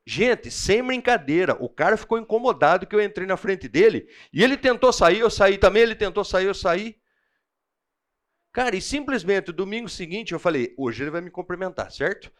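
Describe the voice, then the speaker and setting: A man with a Brazilian Portuguese accent teaching a church Bible class, telling animated personal stories in a slangy, chatty way. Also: sits high, moderate pace.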